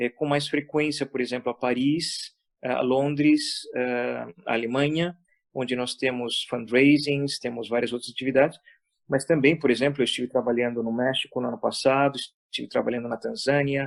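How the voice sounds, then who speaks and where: A man in a Spanish accent, with fairly even intonation. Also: medium pitch for a man, moderate pace. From Brazil. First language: Spanish (speaking Portuguese). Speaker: Benedictine monk and priest. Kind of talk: interview. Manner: hesitant with fillers.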